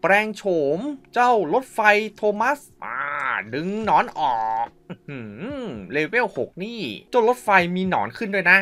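A man's voice: high voice, sing-song, unhurried, hardly any pauses, bright, forceful tone. A man hosts a gaming video with playful running commentary. His intonation swings widely and he exclaims often. He throws in wows and little mouth-made sound effects as he plays.

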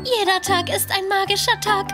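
A woman's voice: very high-pitched, fairly even intonation, moderate pace, over music. A woman voicing a cheerful, kind five-year-old girl in a dubbed children's cartoon.

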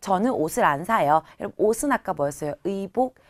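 A woman in her thirties teaching a beginner Chinese lesson, who stretches out model words slowly and says them louder for practice. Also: mid-range voice, animated. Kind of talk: online language lesson.

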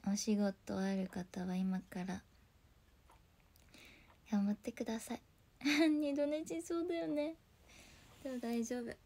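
A young woman hosts a relaxed morning livestream in a slow, unhurried voice, with a mellow, dark tone sitting a little high for her. She sounds sleepy and soft, often slipping into whispers. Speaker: idol livestream host. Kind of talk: casual morning livestream chat.

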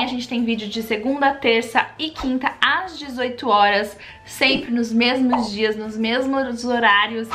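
A woman's voice: on the high side, fairly bright tone. A young woman casually reviewing drugstore beauty products to camera in a chatty, upbeat way, repeating words for emphasis, seated indoors in a home studio. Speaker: beauty vlogger.

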